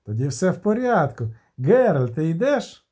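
A man voicing an excitable, flamboyant male bard who talks theatrically. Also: fairly high pitch, normal speed, husky, pitched above the performer's own voice. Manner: theatrical, exclaiming.

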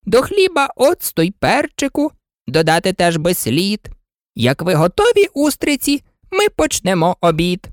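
A woman's voice: medium pitch, wildly swooping pitch, unhurried, no echo, studio quality. A woman voicing a greedy, sentimental male walrus in a storybook reading, in a raised, fussy voice. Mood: sly, mournful.

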